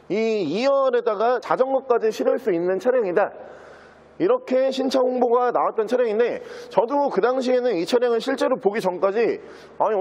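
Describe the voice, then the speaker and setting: A man giving a used car sales walkaround in smooth, practised salesman patter. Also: high voice, a little mellow. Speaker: used car dealer presenting a car.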